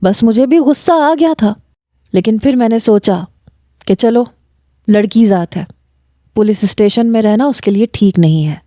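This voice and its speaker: A woman's voice: on the high side, expressive, pauses often, mellow, no room sound, clean studio sound, close to an everyday voice. A woman reading a story aloud and voicing a stern, short-tempered man who gives harsh orders. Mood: angry. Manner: harsh, commanding, scolding.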